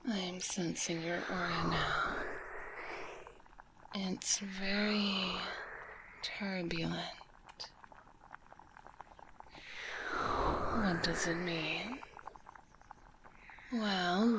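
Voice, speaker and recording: Kindly witch shopkeeper, played by a woman, ASMR roleplay: lowish breathy murmur, unhurried, soothing, slightly teasing, close-miked. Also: fairly even intonation, noisy background. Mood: gently probing. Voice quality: soft, breathy, half-whispered. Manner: unhurried, soothing, calls listener dear. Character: kindly witch alchemist, older than she looks, gently teasing. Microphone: close binaural microphone.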